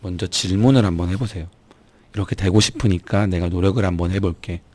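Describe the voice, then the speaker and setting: A man's voice: low-pitched, fairly even intonation, fast, darkish tone, dry recording. A man with a strained, sore throat speaking earnestly and emphatically to viewers in a motivational vlog, urging them on as an online business YouTuber.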